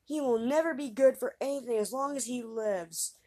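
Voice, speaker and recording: A smug elder brother from a fairy tale, played by a woman reader, mocking and loud, pitched high with scorn. He sneers at his foolish sibling. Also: moderate pace, lightly acted. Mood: scornful.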